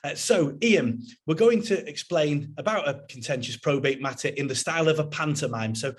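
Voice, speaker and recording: A man hosting an interview, chatty and relaxed, with plenty of fillers as he introduces his guest. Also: on the high side, moderate pace. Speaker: host.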